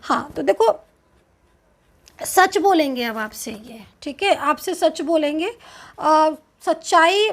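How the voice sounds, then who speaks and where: High-voiced woman giving a slow tarot reading. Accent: Indian. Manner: slow, hesitant, explanatory, with many fillers. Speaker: tarot card reader.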